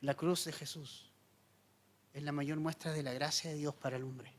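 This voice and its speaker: A man preaching a sermon as pastor, telling the story dramatically with wide swings between loud emphasis and hushed lines. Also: a little high, fairly even intonation, normal speed. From Chile.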